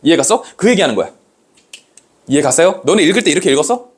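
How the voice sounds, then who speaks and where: A man's voice: on the high side, sing-song, quick pace, breathy edge. A man teaching a classroom lecture, acting out rhythms with sound effects and checking often that students follow. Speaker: Korean language tutor. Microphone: recorded lecture.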